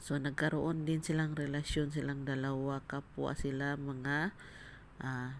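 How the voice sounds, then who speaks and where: A woman speaks fairly slowly in a very deep, low pitch with monotone, flat intonation. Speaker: vlogger. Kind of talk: casual movie plot retelling. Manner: halting.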